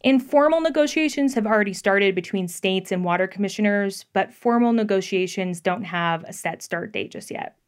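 Female reporter guest, steady explanatory tone, medium pitch. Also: normal speed, few pauses. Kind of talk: radio interview.

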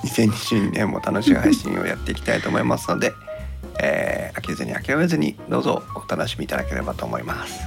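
Low-pitched, lively male podcast host. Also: fast, creaky, over music. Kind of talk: casual podcast chat about gadgets.

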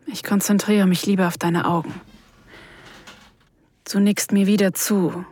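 Soft, breathy, vulnerable lover. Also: female voice, medium pitch, level tone, unhurried. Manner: soft, breathy, often sinking into a whisper. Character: vulnerable, shy mature woman rediscovering desire. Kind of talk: intimate first-person erotic audio drama narration.

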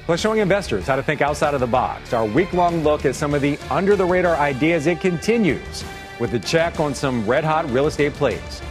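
A man's voice: fairly high pitch, expressive, fairly quick, over music. A man anchoring a financial news broadcast, presenting to viewers and putting questions to guests.

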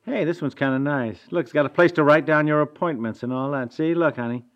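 An actor playing a sheepish, folksy pack-rat husband who grumbles and gives in, in a 1950s radio comedy. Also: male voice, a little high, fairly quick, highs cut off, close to an everyday voice. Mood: reluctant. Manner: hesitant, folksy, mildly exasperated.

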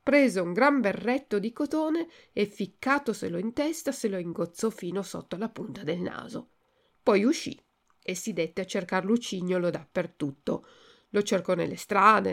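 A woman narrating a children's storybook in a measured, expressive way. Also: mid-range voice, vocal fry. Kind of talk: storybook reading.

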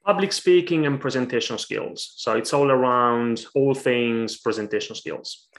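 A man's voice: mid-range voice, measured pace. A man in his thirties with an Italian accent, a guest answering interview questions with eager storytelling. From Italy. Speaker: guest, presentation coach.

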